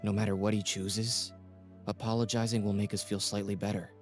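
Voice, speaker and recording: A man's voice: on the low side, little pitch movement, a little fast, soft background music, close to an everyday voice. An actor playing an anxious, apologetic male scholar in a video game. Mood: contrite.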